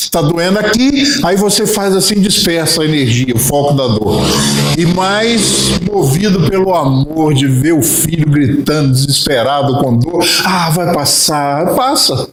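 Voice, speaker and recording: A man's voice: high voice, reverberant, poor audio. A man with a Brazilian Portuguese accent giving a spiritist lecture, telling stories and acting out little dialogues. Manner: storytelling with acted-out dialogue.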